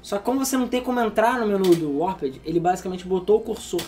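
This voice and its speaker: Fast-talking sleepy man in casual chat. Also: high voice, lively intonation, a little mellow, faint music behind. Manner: rambling, swears freely. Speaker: podcast co-host. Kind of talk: casual gaming news chat.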